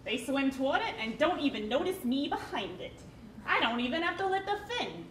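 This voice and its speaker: A woman's voice: sits high, big pitch swings, a little fast, slight background noise. A woman voicing a grumpy, sarcastic female anglerfish in a live puppet show. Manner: gruff, sarcastic. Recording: echoey hall from far off.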